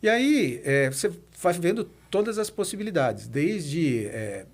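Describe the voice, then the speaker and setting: A Brazilian man in his fifties, the president of a nonprofit institute, reflects on his life as a podcast guest, explaining things through personal storytelling. His voice is on the high side with a breathy edge, very animated but a little slow.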